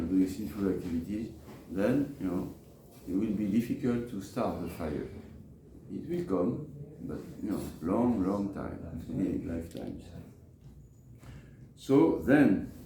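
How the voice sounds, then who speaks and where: A man preaching in a scripture lecture, speaking haltingly and hesitantly, with frequent pauses and repeats. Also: low voice, mellow. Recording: echoey room with faint background noise.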